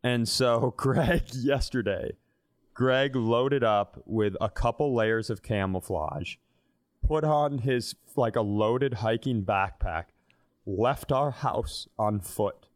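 Man, medium pitch, podcast co-host, casual comic storytelling, salty language, acted-out quotes. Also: slow, no room sound, clean studio sound. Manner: acts out quoted dialogue in exaggerated voices; swears freely.

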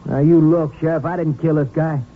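An actor playing a curt, resentful young ex-soldier off the farm, answering defensively in a 1950s radio crime drama. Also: male voice, a little high, steady tone, brisk, lightly acted. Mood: indignant. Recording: tinny, noisy old radio broadcast.

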